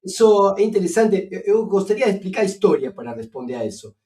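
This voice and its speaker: A man with an Argentine Spanish accent, speaking as a philosopher guest in a relaxed academic conversation. His voice sits fairly high, and he pauses on "eh" and restarts as he works through his ideas. He sounds a little distant from the microphone. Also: slight background noise. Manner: hesitant, many fillers and restarts, professorial.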